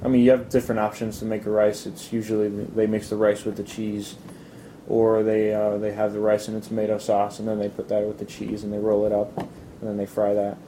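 Relaxed young man, dark voice. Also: on the low side, slight background noise, poor audio. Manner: relaxed, halting, many fillers and restarts. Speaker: interviewee. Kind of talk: casual interview.

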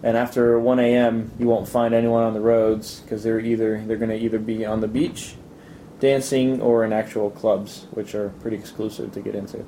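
A young man answering interview questions in a casual, halting way, with many fillers and restarts. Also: on the low side, level tone, dark tone, slight background noise.

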